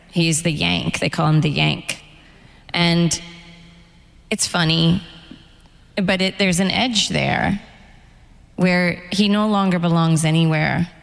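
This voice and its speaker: A middle-aged American woman, an author and guest, talking in a reflective, candid and measured way at a live event interview in a hall. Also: lowish voice, gravelly. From United States.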